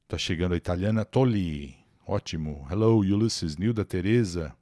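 A man's voice: sits low, normal speed, mellow, no room sound, clean studio sound. A Brazilian man teaching English in a live stream, explaining words and pronunciation and reading out viewer comments.

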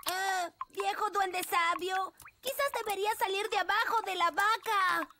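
A woman's voice: very high voice, steady tone, a little slow, noisy background. A woman voicing an eager, earnest little elf boy in a Latin American Spanish cartoon dub, with a childlike manner. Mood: concerned.

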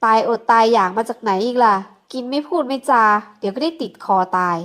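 A woman's voice: fairly high pitch, brisk, fairly bright tone, natural voice. A woman voicing a rich, hot-blooded, bossy young man who talks in a teasing, domineering way in an audiobook. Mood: mocking.

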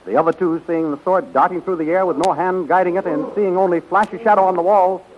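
High-pitched 1930s American radio announcer, man. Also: fairly even intonation, brisk. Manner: dramatic, emphatic announcer delivery. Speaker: narrator and announcer. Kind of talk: 1930s radio serial narration. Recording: muffled, noisy 1930s radio recording.

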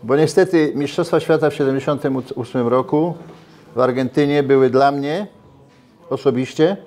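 A man's voice: mid-range voice, moderate pace. An older man in a casual interview, talking animatedly with many restarts, recorded on a lapel mic in a brick-walled restaurant. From Poland. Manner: animated, gestures while talking, frequent restarts. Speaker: interviewee, former footballer.

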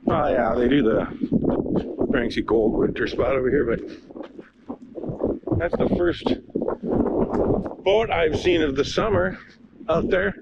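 A man's voice: mid-range voice, animated, slow pace, long pauses. A middle-aged man giving rambling, casual commentary as he walks outdoors and points things out. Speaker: vlogger. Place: outdoors on a windy beach. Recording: muffled outdoor recording with loud wind.

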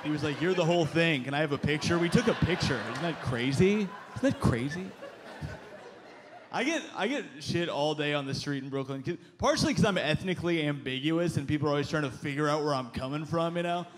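A man in his thirties doing a stand-up set on a club stage with a handheld mic, punchy and animated, with loud put-on voices. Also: fairly high pitch, a little fast. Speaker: stand-up comedian. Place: club stage before a live audience. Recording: live club recording with crowd noise. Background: audience laughter.

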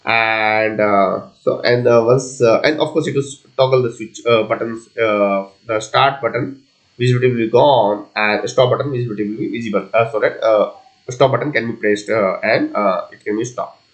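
A man giving an unscripted coding walkthrough as a tutorial presenter, explaining step by step in a halting, repetitive way. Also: lowish voice, fairly even intonation, low-quality recording.

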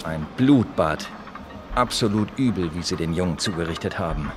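Ein Mann spielt in einem deutschen Hörspiel einen trockenen, lässig-knurrigen Kriminalbeamten. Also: male voice, sits low, lively intonation, moderate pace, noisy background. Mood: grim. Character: wry male police detective, teasing his partner. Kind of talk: German audio drama acting.

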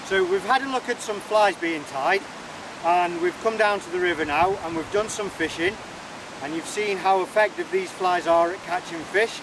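A man's voice: high voice, far from the mic. A Welsh man in his forties, a fly fishing instructor, explaining his setup step by step while standing outdoors by a river, recorded on a camera mic. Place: outdoors beside a rushing river. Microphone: camera mic, close framing. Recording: loud river noise behind voice. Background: rushing river water.

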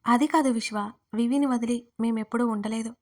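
A woman's voice: on the high side, steady tone, brisk, darkish tone, close to an everyday voice. A woman voicing a protective middle-aged mother who refuses firmly and worries in an audio story. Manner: firm, worried.

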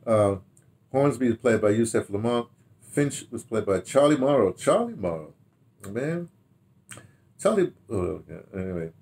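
An American man in his sixties reminisces casually in a rambling, halting way, repeating words and throwing in animated asides, recorded in a home study. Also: lowish voice. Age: 60s. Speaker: radio drama director telling his history. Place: small home study, indoors.

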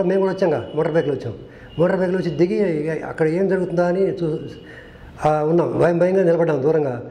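A man's voice: on the high side, dark tone. An older man, a film director, telling stories from past film shoots and acting out the dialogue of the people in them. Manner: acts out quoted dialogue, earnest. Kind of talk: storytelling anecdote. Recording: echoey room.

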